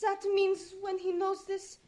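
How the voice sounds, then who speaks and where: Woman acting a high-voiced, melodramatic temptress. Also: monotone, unhurried, dark tone. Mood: guarded, suspicious. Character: passionate, possessive young Casbah singer with broken English. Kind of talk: radio mystery drama acting.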